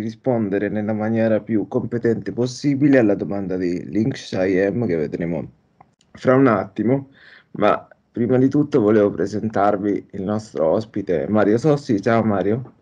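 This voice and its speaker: Against a quiet background, a man with a fairly low, dark, mellow voice talks at a moderate pace with ordinary pitch variation. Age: 30s. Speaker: life coach. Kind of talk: interview. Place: home room. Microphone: video call.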